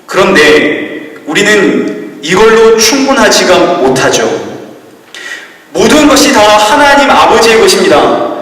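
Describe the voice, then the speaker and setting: A man's voice: high voice, sing-song, a little slow, a bit bright. A middle-aged man preaching a sermon as a pastor, telling a personal story in a confessional way. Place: church sanctuary. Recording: echoey hall, distant mic.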